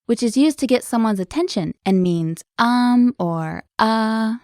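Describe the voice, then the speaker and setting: A woman with a slightly high voice hosts a language lesson, explaining each word in a clear, upbeat way. The sound is close and dry, with no room around it. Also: expressive, a little slow, darkish tone, no room sound. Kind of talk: scripted lesson dialogue.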